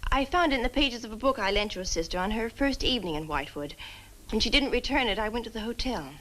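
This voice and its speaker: A woman's voice: on the high side, expressive, quick pace, a bit bright, rough recording. A young actress playing an earnest, uneasy village woman in an old horror film. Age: young adult. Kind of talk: 1960 horror film acting.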